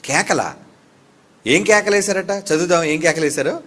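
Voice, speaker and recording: Middle-aged pastor guy, high voice, preaching hard and firing questions at the crowd. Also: a little slow, a bit bright. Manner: fiery, fires rhetorical questions at the congregation. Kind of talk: sermon.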